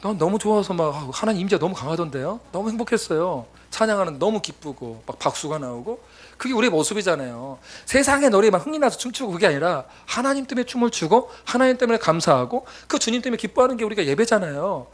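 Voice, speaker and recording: A man preaching a sermon as a missionary, telling stories in a lively way and acting out his friends' voices. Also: high-pitched, fast, hardly any pauses. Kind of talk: sermon with storytelling. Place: church sanctuary.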